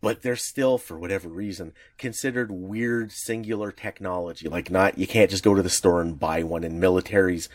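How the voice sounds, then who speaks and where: A man with a fairly low voice co-hosts a casual podcast and explains things in long, rambling stretches full of "like" and restarts. The sound is dry and close, with no room to it. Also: moderate pace, hardly any pauses, dry recording. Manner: rambling, animated explainer with many fillers. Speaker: podcast co-host.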